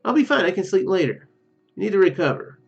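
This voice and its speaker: Guy reading shy kind young mage girl in a visual novel game, hesitant, kinda high voice, muffled audio. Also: very animated, fast, creaky, faint music behind, full character voice. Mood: shy, caring.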